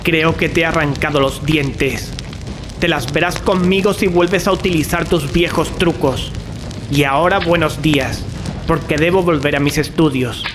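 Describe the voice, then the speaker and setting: An actor playing a stern, resolute student confronting a villain in an audio drama, speaking with firm command. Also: male voice, fairly high pitch, moderate pace, over music, natural voice. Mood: coldly triumphant.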